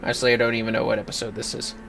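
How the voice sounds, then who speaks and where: A man's voice: medium pitch, monotone, very fast, a bit bright, slight background noise. A man casually chatting to viewers on a gaming livestream, rambling and swearing as he talks to himself. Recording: music playing behind the voice. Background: clear music.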